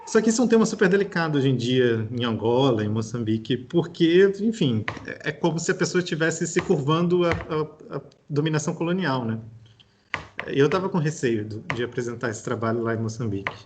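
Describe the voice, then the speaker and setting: A man's voice: a little high, expressive, a little fast, background noise. A young man from Brazil with a Rio de Janeiro accent, a guest historian in a casual podcast interview, thinking aloud and restarting his sentences. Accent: Brazilian Portuguese, Rio de Janeiro.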